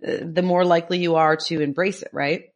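A woman with a somewhat low voice hosts a podcast interview. She asks her questions in a friendly, conversational way and encourages her guest as he talks. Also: fairly even intonation, fairly quick. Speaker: podcast host.

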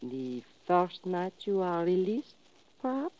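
An actress playing a poised, seductive foreign newspaper reporter, speaking formally and deliberately in a 1950s radio drama. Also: female voice, lowish voice, sing-song. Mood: secretive, composed. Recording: muffled old radio recording.

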